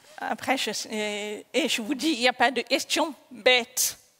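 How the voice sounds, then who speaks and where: A woman with a high pitch and ordinary pitch variation talks at a very slow pace. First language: deaf from birth (speaking French). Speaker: conference speaker, software developer. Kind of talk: conference talk. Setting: conference stage with audience.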